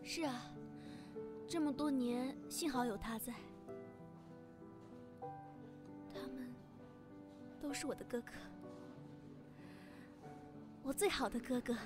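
A woman's voice: high voice, normal speed, over music, close to an everyday voice. A young woman acting a caring, teasing younger sister in an audio drama. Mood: gentle. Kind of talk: fan audio drama dialogue.

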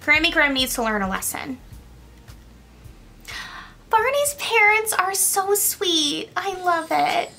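A woman giving casual reaction commentary on a show as she watches, gushing and excitable, full of gasps and exclamations. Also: very high-pitched, slow, long pauses, soft background music. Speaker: reaction video creator.

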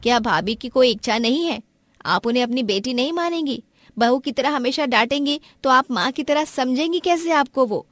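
A woman playing a kind, outspoken young sister-in-law in an animated family story, speaking persuasively. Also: sits high, moderate pace, dry recording, clean studio sound, lightly acted. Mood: pleading, insistent. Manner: persuasive, supportive.

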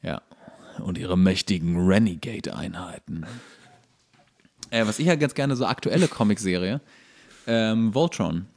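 A man with a slightly low voice talks as a podcast co-host. He is relaxed in his phrasing and nerdy, keen to explain details and add trivia. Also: measured pace, gravelly, pauses often. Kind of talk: casual chat about comics and series.

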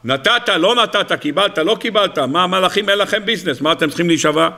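A man, a rabbi, teaching a Torah lesson to an audience, firing rhetorical questions in a teasing, animated way. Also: high voice, creaky.

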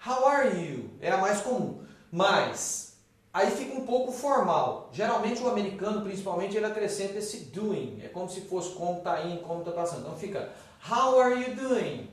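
A Brazilian man teaching English in a video lesson, lively and opinionated, slowing down to model phrases. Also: high voice, distant mic. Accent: Brazilian Portuguese. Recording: echoey room, off-mic.

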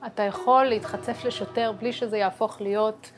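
A woman's voice: fairly high pitch, steady tone. A woman speaking earnestly in an interview, arguing her point with frequent fillers. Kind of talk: interview talk. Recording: music bed underneath.

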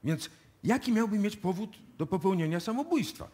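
A seasoned police inspector in his forties for a radio drama. The voice is husky and a little high for a man. He is brisk and wry, doubting what he is told. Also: expressive, a little mellow. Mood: puzzled. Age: middle-aged. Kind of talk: radio play acting. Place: music studio, played live before an audience.

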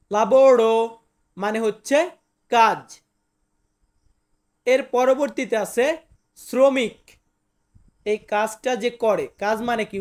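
A woman teaching a language lesson online, her voice sitting a little high. She repeats each new word slowly and patiently before explaining it.

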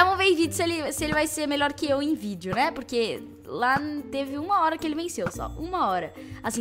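A young woman, doing excitable, mock-boastful gameplay commentary. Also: sits high. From Brazil. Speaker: gaming channel host. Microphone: desktop studio microphone.

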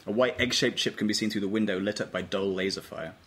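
Brisk low-voiced man narrating. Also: fairly even intonation, fairly bright tone, slightly rough. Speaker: narrator reading stage directions. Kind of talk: scripted narration at a table read. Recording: faintly noisy table read recording.

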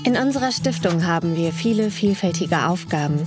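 A woman reading a scripted promotional narration in an even presenter manner. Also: lowish voice, brisk. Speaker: foundation narrator. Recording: music bed underneath.

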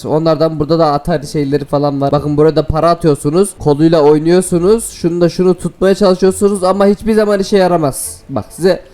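A man hosting a gaming video, giving excited, playful commentary to viewers and laughing often. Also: a little high.

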